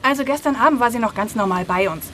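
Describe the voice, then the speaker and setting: A woman playing a chatty, quick tourist. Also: on the high side, animated, bright, forceful tone, slight background noise.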